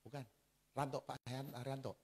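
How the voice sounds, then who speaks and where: Pastor telling a sermon story. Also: male voice, medium pitch, a little fast, breathy edge. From Central Java, Indonesia. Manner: animated storytelling, addressing the congregation directly.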